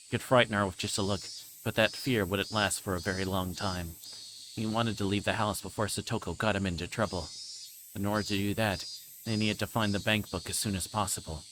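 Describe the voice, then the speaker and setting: A man's voice: on the low side, steady tone, fairly quick, background noise. A man livestreamer reading visual novel narration aloud.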